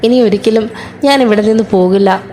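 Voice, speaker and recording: A woman voicing a gentle, self-sacrificing young elder sister who soothes and begs her brother while retelling a serial. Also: mid-range voice, steady tone, a little fast, natural voice. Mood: pleading.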